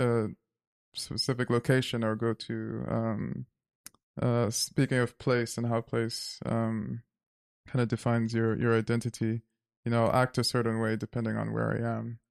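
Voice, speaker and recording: A man from Zimbabwe talks slowly through his thoughts, often stopping with fillers to find the next word. His voice is gravelly and stays level. The sound is dry and close. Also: medium pitch, completely flat delivery, no echo. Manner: thoughtful, searching for words with many fillers. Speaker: guest. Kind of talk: reflective conversation.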